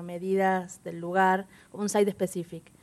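A woman speaks at a medium pitch in an ordinary speaking voice. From Buenos Aires, Almagro. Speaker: painter. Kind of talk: casual chat.

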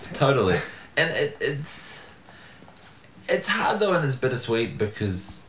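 Speaking fairly slowly with a New Zealand accent, this voice makes very wide pitch swings and long, frequent pauses, keeps its loudness very even, and has noticeable background noise. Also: man, fairly high pitch for a man. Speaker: freelance writer. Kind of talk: casual chat.

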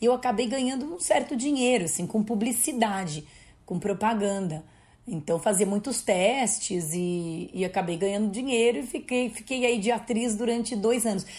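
Fairly high, somewhat breathy female voice with ordinary variation in pitch. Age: 40s. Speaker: criminal law professor. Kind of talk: interview.

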